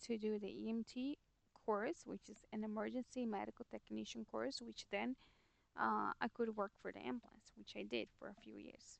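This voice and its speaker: Delivered at a moderate pace in a Brazilian accent, the speech has big swings in loudness and a dry, close sound with no echo. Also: woman. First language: Portuguese. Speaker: cleaning business owner. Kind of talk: personal story.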